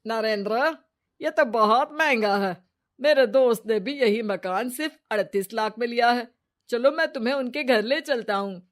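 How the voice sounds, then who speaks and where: Cartoon husband, stern and blunt, a woman doing the voice, a touch high. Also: moderate pace, natural voice. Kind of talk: cartoon story voice acting.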